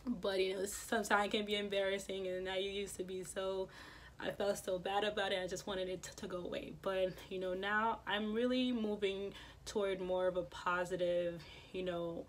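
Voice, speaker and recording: A woman's voice: mid-range voice, steady tone, normal speed, slight background noise. A woman vlogger who stutters, repeating sounds and words, talking casually to camera with many fillers. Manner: many fillers, soft-spoken.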